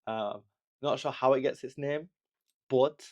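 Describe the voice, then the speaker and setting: A man's voice: medium pitch, measured pace. A young man talking casually to camera in a travel vlog, chatty and rambling, with laughs and restarts, reassuring the viewer. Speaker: travel vlogger.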